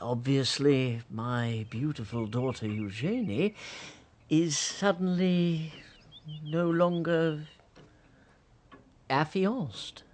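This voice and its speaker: An actor playing a fawning, greedy banker baron in a radio drama, flustered and hesitant. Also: male voice, fairly high pitch, drawn-out words, long pauses, a little mellow.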